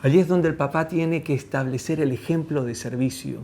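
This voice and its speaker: A man's voice: on the high side, brisk, warm tone. A middle-aged man with an Argentine accent preaching a teaching sermon, who acts out family dialogue in raised voices. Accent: Argentine Spanish. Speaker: pastor.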